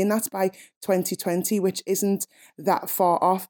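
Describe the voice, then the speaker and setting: In a Scouse accent, a woman speaks at a moderate pace with a dark, mellow tone. Her intonation is monotone and flat. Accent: Scouse (Liverpool English). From Liverpool, England. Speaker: radio broadcaster and podcast presenter. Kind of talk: interview.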